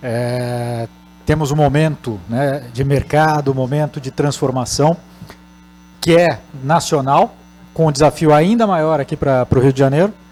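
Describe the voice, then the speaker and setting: Pausing long and often, a man with a Brazilian accent speaks at a fairly slow pace in a fairly high voice with ordinary pitch variation. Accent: non-Rio Brazilian. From Mato Grosso do Sul, Brazil. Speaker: retail CEO. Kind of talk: panel discussion. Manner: halting.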